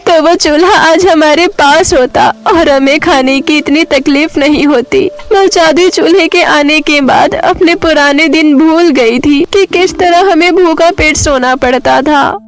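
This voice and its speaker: A woman's voice: a little slow, few pauses. A woman voicing a tearful, pleading little girl, a remorseful younger sister in a children's cartoon story. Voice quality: high, tearful girlish voice. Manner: pleading, whining.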